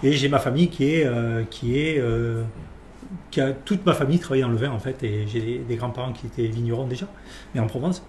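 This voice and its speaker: A man who speaks haltingly, full of "euh" and restarts. His voice rings in an echoey room, and a faint ambience hum sits under it. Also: medium pitch, steady tone, a little mellow. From Perpignan, France. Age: 40s. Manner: hesitant, many fillers and restarts. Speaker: winemaker guest. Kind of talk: casual interview.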